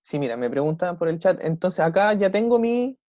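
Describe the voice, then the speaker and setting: A man's voice: high-pitched, very animated, warm tone, no room sound. Patient Chilean male English teacher. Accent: Chilean Spanish. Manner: patient, repeats example sentences slowly, frequent tag questions. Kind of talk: online class explanation.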